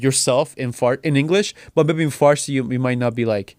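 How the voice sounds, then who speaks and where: A man's voice: medium pitch, darkish tone, no room sound, studio quality. A young man as a podcast guest, chatting casually with lots of fillers and "right?". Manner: fast, filler-heavy, keeps saying "right?".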